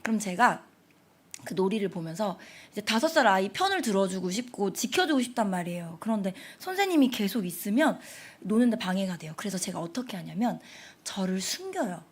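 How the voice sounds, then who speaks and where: A woman's voice: medium pitch, fairly quick, husky. A young woman preaching at a family prayer service, telling a story and acting out the voices of small children. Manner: animated, acts out children's voices.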